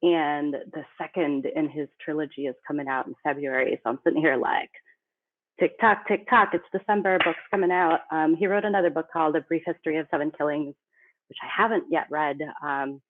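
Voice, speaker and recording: A woman's voice: low-pitched, steady tone, brisk. A woman from the Philippines, a company CEO, talking casually as a podcast guest in a chatty, self-deprecating way. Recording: tinny phone-like remote line.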